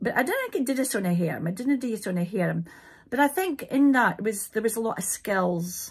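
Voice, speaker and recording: A woman's fairly high voice at a fairly quick pace, full of lively intonation. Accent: northeast Scottish. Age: 60s. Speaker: interviewer, former farmer. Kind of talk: interview.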